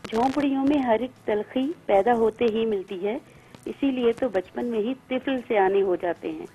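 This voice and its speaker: A woman calling in to a talk show, hoarse from a sore throat, speaking hesitantly with many pauses. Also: a little high, warm tone. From Pakistan. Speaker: caller. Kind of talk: phone-in call. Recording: muffled lo-fi phone line.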